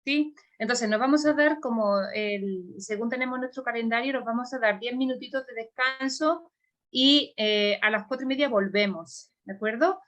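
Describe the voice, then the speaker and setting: A woman's voice: on the high side, moderate pace, a bit bright. A woman moderating an online conference session, talking informally with many hesitations.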